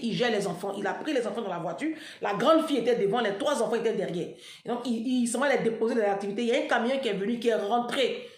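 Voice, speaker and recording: A woman in her forties from Africa, talking emphatically to her followers and repeating herself to make her points. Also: on the high side. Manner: emphatic, repetitive, rhetorical asides. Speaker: social media commentator. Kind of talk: casual monologue to followers. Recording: roomy echo.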